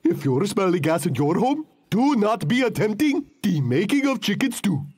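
A man's voice: sits high, very animated, moderate pace, a little mellow, slight background noise. A man voicing a mock-earnest cartoon character who gives preachy safety warnings to children. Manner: preachy, addressing the audience.

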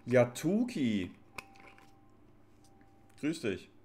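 A man's voice: medium pitch, very animated, drawn-out words, dark tone, a little hiss or hum. A man in his thirties with a German accent, chatting casually as a game streamer, close to a desk microphone. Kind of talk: casual live stream commentary.

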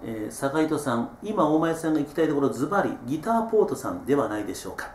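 A man's voice: a little high, slight background noise. Laid-back middle-aged man, roomy echo. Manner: relaxed, chatty, frequent drawn-out filler sounds. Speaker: host reading listener messages. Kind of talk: casual solo radio-style chat.

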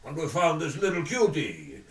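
Male actor: loud, bossy gangster boss, high and bouncy, echoey room. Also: wildly swooping pitch, moderate pace, far from the mic. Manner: brash, laughing, bossy. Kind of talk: comedic audio drama. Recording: roomy echo, off-mic.

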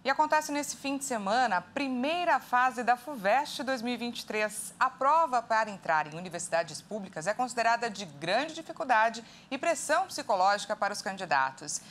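A woman's voice: on the high side, expressive, moderate pace, hardly any pauses, a bit bright. A Brazilian woman, around her thirties, presenting live television news as an anchor. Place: TV studio with large windows. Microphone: lapel.

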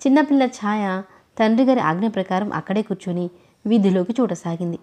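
A woman reads a novel aloud in a calm, unhurried storytelling voice. Her tone is mellow and warm, and she lightly marks the characters' lines without acting them out. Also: medium pitch.

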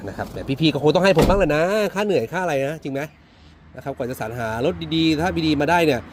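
A man's voice: fairly high pitch, lively intonation, fast talker, background noise. A man with a Central Thai accent, chatting casually as he shows a used car from the inside and jokes with viewers. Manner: chatty, talks to the viewers as older siblings, jokes at himself. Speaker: used car dealer presenting a car. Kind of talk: casual car walkaround vlog.

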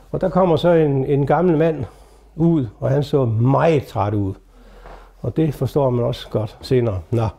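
A man's voice: on the high side, vocal fry, warm tone. An older man, a retired doctor, telling stories from his work to an audience in a hesitant way, with many fillers. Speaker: retired doctor giving a talk. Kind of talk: anecdotal lecture to an audience. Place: talk before a live audience.

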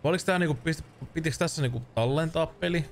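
A man's voice: on the high side, gravelly, a little hiss or hum. A man in his thirties streaming a game, chatting casually, joking and swearing often. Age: 30s. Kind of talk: casual let's-play commentary.

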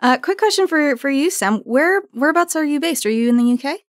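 A woman's voice: high voice, expressive, fairly quick, no echo, clean studio sound. A woman hosting a roundtable show, introducing and interviewing guests in a presenter's style. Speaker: host, associate producer and voice actor. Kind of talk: scripted podcast intro and interviewing.

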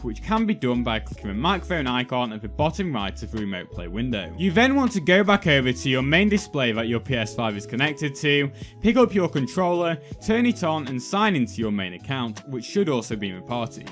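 A young man hosting a tutorial video, reading a scripted how-to guide in clear, step-by-step instructions. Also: a little high. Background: background music.

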